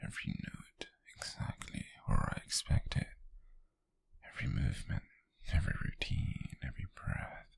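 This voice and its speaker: A man voicing an obsessive British yandere stalker, very deep husky whisper, slow and drawn-out, sinister teasing, close-miked ASMR roleplay. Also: expressive, heavily acted. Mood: possessive. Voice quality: breathy, raspy whisper. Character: obsessive, menacing yandere male stalker, possessive and calm. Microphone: close-up ASMR microphone.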